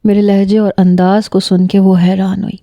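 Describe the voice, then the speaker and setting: A woman narrating a romantic story in the first person, steady and emotional. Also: medium pitch, no room sound, muffled recording.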